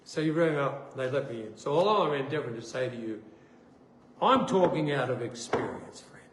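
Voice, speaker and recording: A man giving a sermon testimony, an animated storyteller who acts out the voices in his stories. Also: medium pitch, normal speed. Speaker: preacher. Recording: echoey room with faint noise.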